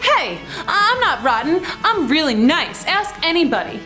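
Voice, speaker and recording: A woman's voice: high-pitched, big pitch swings, a little slow, bright, forceful tone, soft background music, poor audio. A woman telling a children's story in character as a girl, with a bubbly, exclamatory, giggly manner. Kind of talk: animated first-person storybook narration in character as a girl.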